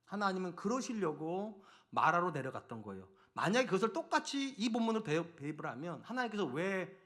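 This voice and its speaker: Lively high-voiced male pastor preaching. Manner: storytelling with rhetorical questions; reads scripture aloud slowly. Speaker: senior pastor. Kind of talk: Sunday sermon.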